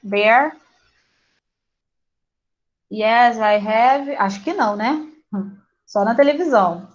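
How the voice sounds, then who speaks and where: A woman's voice: on the high side, takes it slowly, lo-fi sound. A woman English teacher giving a casual online class, chatty and encouraging, laughing easily with students.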